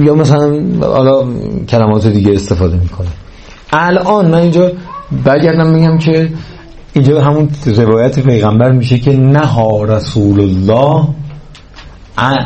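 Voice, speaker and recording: A man's voice: fairly high pitch, dark tone, poor audio. A man giving a religious lecture on parenting to a live audience, speaking earnestly and checking in with his listeners through rhetorical questions.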